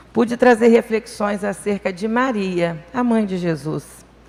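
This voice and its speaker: A woman with a plain, everyday voice speaks fairly slowly, with ordinary pitch variation. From Brazil, Espírito Santo (Vitória). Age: 60s. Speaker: psychologist, guest speaker at church. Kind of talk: church talk / reflective lecture.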